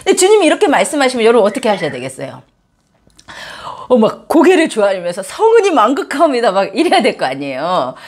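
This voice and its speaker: A woman pastor giving a church sermon, animated and joking, speaking directly to her congregation. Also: mid-range voice, fast talker. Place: church service.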